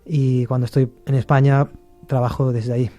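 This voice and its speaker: A middle-aged man from Argentina, a shakuhachi musician, talking in a relaxed interview with many fillers and restarts. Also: mid-range voice, normal speed.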